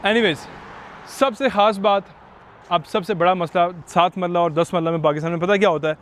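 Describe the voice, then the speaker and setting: This is a high-pitched male voice with a steady tone and moderate pace. He has a Pakistani Urdu accent and hosts an outdoor walkthrough of a house, chatting straight to viewers and code-switching into English now and then.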